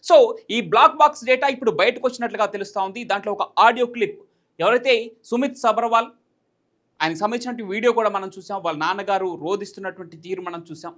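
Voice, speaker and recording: A male news presenter talks at a rapid clip. He explains things emphatically and circles back over his points in a commentary style. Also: high-pitched, a bit bright.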